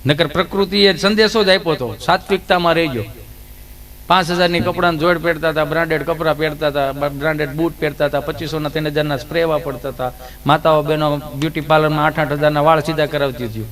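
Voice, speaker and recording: A man's voice: a little high, fast. A man, a stand-up comedian telling rambling comic stories. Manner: lively, rambling joke-telling. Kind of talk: folk comedy storytelling.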